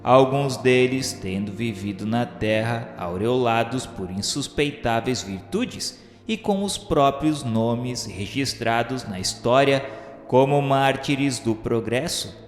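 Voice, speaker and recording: A man's voice: mid-range voice, slow. Brazilian man narrating solemnly in echoing reverb. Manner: formal, literary delivery. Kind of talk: solemn scripted narration of a spiritist radio novel. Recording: echoey hall-like reverb. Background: music.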